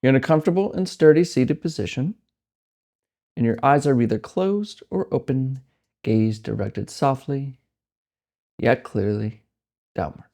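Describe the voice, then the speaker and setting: Mellow man guiding a meditation. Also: mid-range voice, lively intonation. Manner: gentle, unhurried phrasing with deliberate pauses. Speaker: meditation guide and host. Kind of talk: guided meditation instruction.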